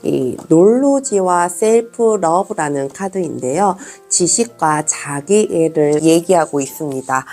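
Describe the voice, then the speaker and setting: A woman giving a weekly tarot reading to her viewers, talking in a gentle, reassuring way and addressing them as a group. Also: low voice, animated, slow pace, few pauses. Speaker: tarot reader. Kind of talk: soft-spoken tarot reading. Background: faint background music.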